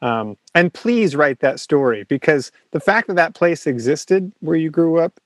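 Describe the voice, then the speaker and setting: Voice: medium pitch, lively intonation, unhurried, dry recording. Enthusiastic interviewer in a dry recording. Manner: enthusiastic, encouraging. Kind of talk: interview conversation.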